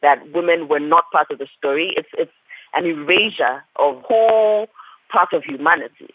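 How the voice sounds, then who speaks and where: A woman's voice: low voice, normal speed, no room sound. A woman from Ghana, a panel guest speaking with passion and indignation. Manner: impassioned, indignant. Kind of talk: panel discussion. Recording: tinny phone-like line, husky.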